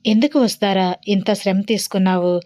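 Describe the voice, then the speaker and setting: A woman's voice: mid-range voice, steady tone, brisk, mellow, no echo, natural voice. Woman reading a mild, polite young man.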